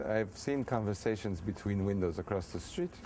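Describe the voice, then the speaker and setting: A man's voice: lowish voice, big pitch swings, measured pace. An American man talking as an interview guest in a casual, rambling way, with many fillers and restarts. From United States.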